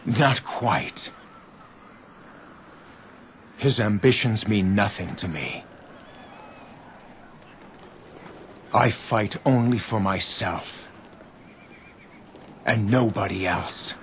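A man's voice: fairly low pitch, drawn-out words, long pauses, a bit bright, a little hiss or hum, exaggerated voice. A man voicing a grim, vengeful middle-aged warlord in a video game cutscene dub, speaking in stern, commanding declarations. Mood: cold.

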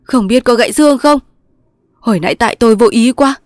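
A woman voicing a young male resistance soldier, pleading in loud sobbing outbursts in a storybook reading. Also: fairly high pitch, a little fast, no echo, voice pushed up, natural voice. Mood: grieving.

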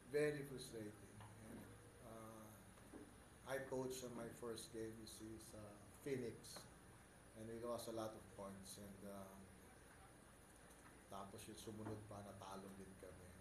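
Older man, Filipino accent, many fillers and pauses, roomy sound, noisy background. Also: fairly low pitch, flat delivery. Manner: switches between English and Tagalog, halting with many fillers. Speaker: basketball head coach. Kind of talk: postgame press conference answers. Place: press room with sponsor backdrop. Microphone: table mic on stand. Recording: echoey room with background noise.

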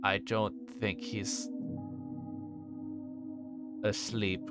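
An older male detective as a man reads him for a game questions in a low voice. He is courteous yet insistent, always leading toward an answer. Music sits clearly behind the voice. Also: flat delivery, drawn-out words. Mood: probing.

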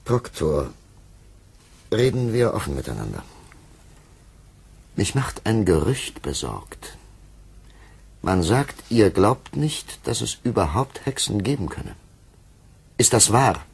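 An actor playing a stern, earnest Puritan clergyman in a German radio play, questioning in a formal, deliberate way. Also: fairly low pitch, big pitch swings, creaky, breathy edge, exaggerated voice. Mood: grave, searching.

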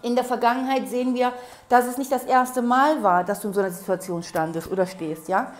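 A woman with a hoarse voice after a cold gives a tarot reading. She speaks straight to the viewer in a coaxing way and repeats herself often. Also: a little high, steady tone, a little fast, faint music behind. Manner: repetitive, coaxing, addresses viewer directly. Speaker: tarot reader. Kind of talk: interactive tarot reading to camera. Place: room at a table with candles.

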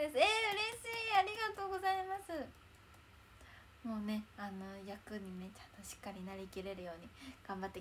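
A woman's voice: a little high, slight background noise. Bubbly young woman chatting on a livestream. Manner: chatty, bubbly, reads comments and thanks viewers. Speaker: idol livestreamer. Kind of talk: casual livestream chat.

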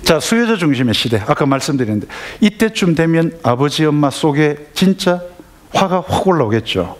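A man's voice: a little high, big pitch swings, normal speed. A man giving a lecture to parents, talking conversationally and asking the audience questions. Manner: conversational, acts out family dialogues, asks audience questions.

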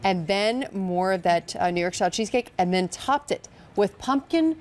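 A woman in her thirties or forties presenting as a home shopping host's guest, pitching live in an enthusiastic, conversational way. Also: lively intonation, normal speed, a little mellow. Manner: enthusiastic, gushing. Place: TV kitchen studio, indoors.

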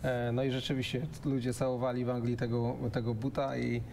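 Host with a flat delivery. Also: male voice, medium pitch, fairly quick, creaky, a little hiss or hum. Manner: conversational, with fillers. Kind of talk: studio sports talk show. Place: TV studio.

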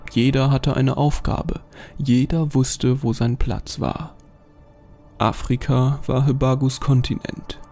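A man narrating a scripted horror story in a measured, steady way. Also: medium pitch, gravelly. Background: faint music.

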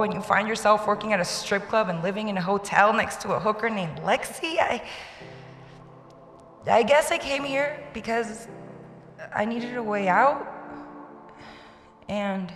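Weary female confessor, played by an actress, halting and candid, mid-pitched, very roomy radio drama sound. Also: fairly bright tone, close to an everyday voice. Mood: vulnerable. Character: weary, candid woman addict confessing bitterly. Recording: echoey hall with background noise.

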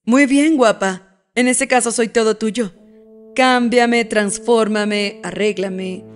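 Brash flirty man, bit high for a guy, read by a woman narrator. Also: slow pace, soft background music. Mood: playful. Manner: cocky, teasing. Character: brash cocky male pilot, teasing. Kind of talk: audiobook character voice.

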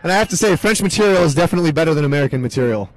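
A young man commentating a live match, mixing play-by-play with deadpan jokes. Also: fairly high pitch, very fast, no room sound, rough recording. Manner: deadpan joking asides. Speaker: sports commentator. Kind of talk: comedic live sports commentary.

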